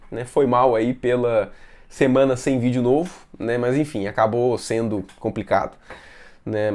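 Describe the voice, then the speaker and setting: A Brazilian man hosting a science channel talks casually and haltingly, sick with a sore throat and fever, often adding tag questions. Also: mid-range voice, darkish tone. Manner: repeatedly adds "né" tags, halting. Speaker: science video host. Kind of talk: casual talk to camera.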